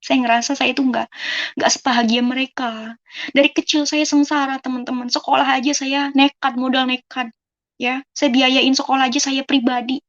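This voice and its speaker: A young woman from Indonesia tells her life story to listeners, talking casually and turning to them often as friends. Her voice sits a little high. The recording is dull and lo-fi. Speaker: person giving a testimony. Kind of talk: personal life story told to an audience.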